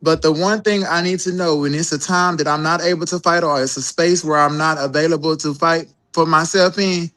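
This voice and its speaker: A woman's voice: deep voice, fairly even intonation, a little fast, few pauses, a bit bright. A trans woman co-hosting a podcast, talking heatedly in a casual group chat, repeating words, cursing and calling the others "girl". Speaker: podcast co-host.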